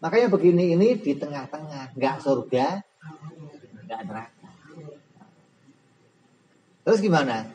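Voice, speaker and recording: A man teaching a religious text in a relaxed, humorous way, who often poses questions to his listeners. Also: a little high, a little slow, long pauses, crowd noise, rough recording. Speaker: Islamic boarding school teacher. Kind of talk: religious book study lesson.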